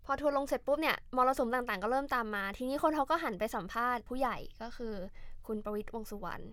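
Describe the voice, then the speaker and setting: A woman co-hosting a casual political talk show, an academic telling the news in a chatty, animated way. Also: fairly high pitch, quick pace, no echo. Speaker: co-host, academic.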